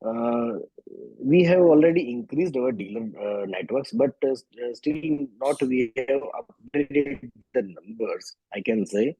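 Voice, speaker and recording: A man with an Indian accent answering as a company executive on an earnings call, halting and often switching between Hindi and English. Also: mid-range voice, very animated, warm tone, husky. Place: remote conference call. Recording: dull, echoey conference call audio.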